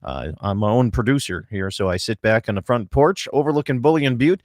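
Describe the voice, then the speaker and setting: A man hosting an outdoors radio show from his ranch porch, telling folksy jokes and opening the show in a loud, upbeat on-air voice. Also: mid-range voice, expressive, brisk, no echo, clean studio sound. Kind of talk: casual chat, then radio show opening.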